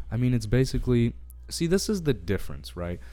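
Very wide pitch swings from a man, with music playing in the background. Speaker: podcast host. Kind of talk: casual chat.

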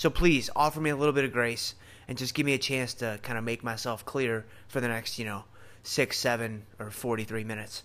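On a very clean recording with a silent background, a man talks in a bright, sharp, animated tone. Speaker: podcast host. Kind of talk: casual monologue.

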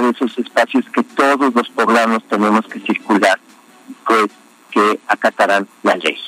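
A man with an unremarkable speaking voice at a moderate pace, in a dry, close sound with no echo. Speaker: historian. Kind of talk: radio interview.

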